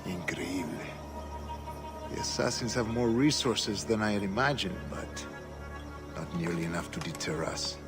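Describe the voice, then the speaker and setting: Sly templar governor, low voice, quiet and solemn, music under it. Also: male voice, unhurried, pauses often. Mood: pleased. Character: scheming older male Templar governor. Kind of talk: video game cutscene acting. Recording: game audio over music.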